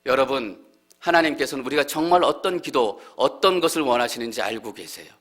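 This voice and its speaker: A male pastor giving an earnest sermon, growing louder and more fervent as he voices heartfelt prayers. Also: mid-range voice, expressive, brisk. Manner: earnest preaching, swelling louder when voicing prayers.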